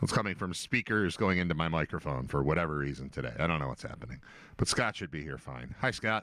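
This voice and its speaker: In a very clean recording with a silent background, a man races along at a very fast pace, his very deep, low voice bright and sharp in tone, with lively intonation and vocal fry. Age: 50s. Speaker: radio host. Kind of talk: casual chat.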